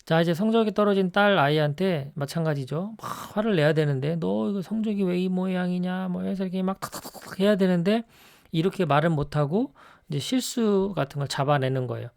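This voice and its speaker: A man giving an explanatory lecture on personality types in a conversational way, often checking in with the listener with a quick rising tag. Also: gravelly. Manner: acts out scolding examples in a louder, higher voice.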